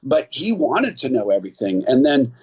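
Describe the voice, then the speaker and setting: Husky man in his sixties telling stories. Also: mid-range voice, moderate pace. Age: 60s. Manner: animated, imitates others' voices in quotes. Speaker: guest, actor and voice coach. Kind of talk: casual interview storytelling.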